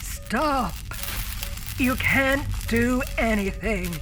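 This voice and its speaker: Slow-spoken, resolute starship captain. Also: female voice, on the high side, expressive, poor audio. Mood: resigned, dutiful. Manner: halting, measured delivery. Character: resolute, self-sacrificing female starship captain, weary and dying. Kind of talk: science-fiction audio drama acting. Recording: loud music bed under the voice. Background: music.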